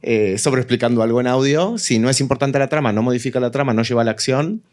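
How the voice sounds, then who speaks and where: A man's voice: medium pitch, quick pace, a little mellow. A man explaining his views as a writer on a panel, in a reflective, conversational way. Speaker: audio fiction writer, panelist. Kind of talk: casual panel discussion. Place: live panel event with several speakers.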